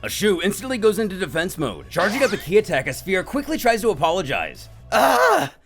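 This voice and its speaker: A man's voice: sits high, huge pitch swings, fast talker, soft background music. A man narrating a dramatic fan-fiction story in the present tense, as a scripted storyteller.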